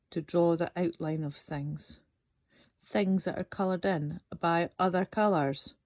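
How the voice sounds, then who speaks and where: Woman as a slow, resentful black crayon. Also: fairly low pitch, a little mellow. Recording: dull, echoey room recording.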